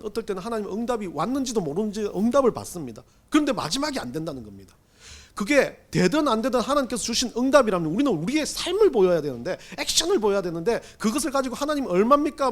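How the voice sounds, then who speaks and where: A male pastor preaching a Sunday sermon in a high, bright-pitched voice that leaps up and down with lively, sweeping intonation. He talks to the congregation conversationally, firing off rhetorical questions, then drops to a hush before rising again. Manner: swings between loud emphasis and hushed asides.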